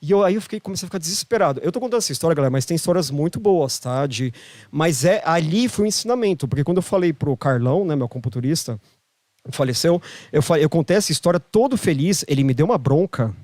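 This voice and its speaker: A man's voice: a little high, animated, fast talker, darkish tone, dry recording. Emphatic Brazilian man telling a story. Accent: Brazilian Portuguese. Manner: emphatic, repeats phrases for emphasis. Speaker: podcast guest, holistic therapist. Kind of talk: storytelling in a casual podcast chat.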